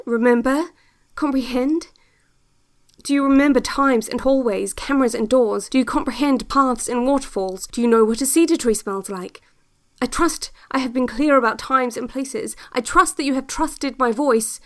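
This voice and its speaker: An actress playing a calm, yearning woman who narrates secret relaxation cassettes in a measured, intimate audio drama monologue. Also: high voice, close to an everyday voice. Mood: earnest, impatient. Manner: measured, deliberate, repetitive phrasing.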